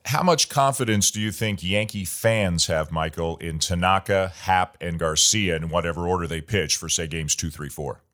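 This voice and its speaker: A man hosting a sports talk show, asking his guest measured, conversational questions. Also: low-pitched, a bit bright. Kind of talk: interviewing a guest.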